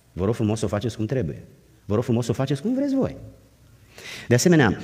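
Male pastor, wedding sermon, mellow voice with lively swings in pitch, long church reverb. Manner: exhorting, directly addresses the couple with rhetorical questions. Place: church sanctuary.

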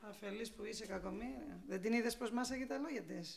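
A woman's voice: a little high, vocal fry. Sarcastic old grandmother. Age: older. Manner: nosy, sarcastic. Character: sharp-tongued suspicious old grandmother.

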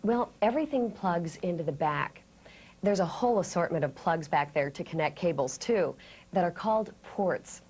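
An American woman in her thirties presenting a scripted training lesson, explaining things clearly step by step. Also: on the low side, animated, moderate pace, a little mellow. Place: indoor studio set.

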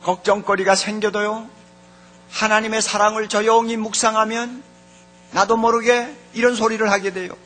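A man's voice: high-pitched, level tone, normal speed, a bit bright. A man preaching a sermon as pastor, fervent, repeating key words and speaking straight to the congregation.

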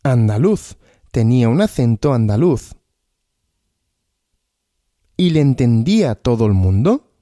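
Man, Spanish teacher, slow and deliberate, lively pitch, warm mellow tone, dry close mic. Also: no room sound. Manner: asks questions and answers them himself, repeating. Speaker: Spanish teacher, podcast host. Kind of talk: slow question-and-answer story lesson.

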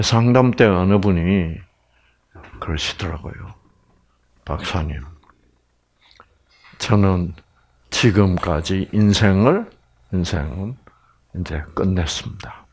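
An older man giving a health lecture on stage in a large lecture hall. He is animated and swings between exclamations and hushed asides. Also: sits low, breathy edge.

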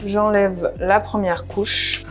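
A woman's voice: mid-range voice, flat delivery, takes it slowly, over music. Chatty woman guiding a home recipe. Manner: step-by-step, practical, chatty asides. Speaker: cooking vlogger. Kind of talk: casual cooking voice-over. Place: home kitchen.

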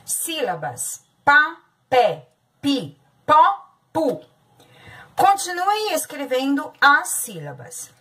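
A woman's voice: fairly high pitch, fairly bright tone, slightly rough. A woman with a Brazilian accent teaching young children, giving patient step-by-step instructions and drawing out her words. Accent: Brazilian Portuguese. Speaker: primary school teacher. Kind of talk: recorded remote class for young children.

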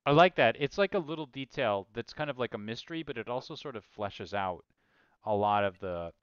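A man's voice: mid-range voice, expressive, a little fast, fairly bright tone, clean tone, no room sound, highs cut off. A man hosting a casual brainstorming chat, asking lots of questions enthusiastically and correcting himself as he goes. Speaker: host.

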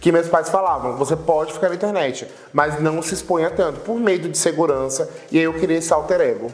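A man's voice: fairly high pitch, brisk. Young man with a strong Bahian accent. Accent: Bahian Portuguese. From Salvador, Bahia, Brazil. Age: 20s. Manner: animated storytelling, gesturing with his hands. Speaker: guest, internet personality. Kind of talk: casual interview chat. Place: studio room with a sofa, indoors. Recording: echoey room.

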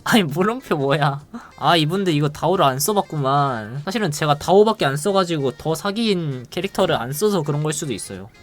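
A game streamer narrates live gameplay with playful excitement, reacting fast and laughing a lot. Their voice sits at medium pitch, with faint music audible behind.

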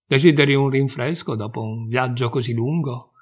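A man's voice: mid-range voice, moderate pace, slightly rough, close to an everyday voice. A man voicing a snooty city mouse. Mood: courteous. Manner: condescending, showy politeness. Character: haughty male city mouse, condescending host. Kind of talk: storybook fable reading.

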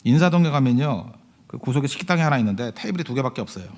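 A male pastor giving a conversational sermon. He tells stories, keeps asking the congregation to agree, and swings from loud emphasis to hushed asides. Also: medium pitch, lively intonation, racing. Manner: conversational storytelling, often asking the congregation "right?".

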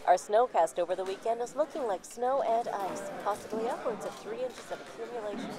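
A woman playing a weather forecaster in an audio drama, with measured, informative delivery. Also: on the high side, music in the background, natural voice. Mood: businesslike. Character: female weather forecaster on a broadcast.

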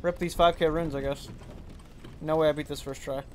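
A man's voice: on the high side, level tone, normal speed, a little mellow, a little hiss or hum. A man in his twenties casually talking to himself while streaming a game, offhand and mumbly. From United States. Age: 20s. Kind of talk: casual gameplay commentary. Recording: game music underneath.

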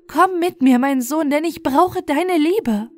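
A woman's voice: sits high, takes it slowly, darkish tone, soft background music, pitched above the performer's own voice. A woman voicing a heartbroken beggar mother in a fairy tale, imploring and emotional. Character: pleading, heartbroken beggar woman seeking her lost son.

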